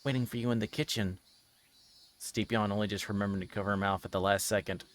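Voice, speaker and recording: A streamer plays a visual novel live, chatting casually and reading its text aloud, now and then tripping over his words. He speaks fast in a lowish, steady-toned voice.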